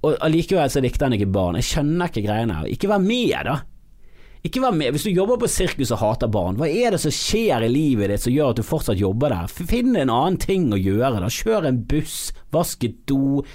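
A comedian from Bergen with a Bergen accent, ranting in a podcast monologue, swinging from loud mock-outrage outbursts to low mutters. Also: male voice, big pitch swings, few pauses. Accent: Bergen Norwegian. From Bergen, Norway.

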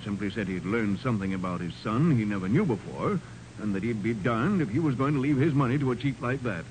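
A courteous, fussy family lawyer played by a man in a vintage radio crime drama. He speaks formally and with measured care in a mid-pitched voice, over faint recording noise. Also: animated, a little mellow, natural voice. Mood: troubled, courteous. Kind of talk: 1940s radio drama acting. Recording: noisy 1940s radio recording.

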